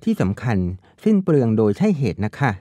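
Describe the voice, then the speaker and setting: A man voicing a young woman on the phone whose soft, polite tone keeps a wary edge. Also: medium pitch, big pitch swings, a little fast, dry recording, close to an everyday voice. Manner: soft voice turning sharp and wary.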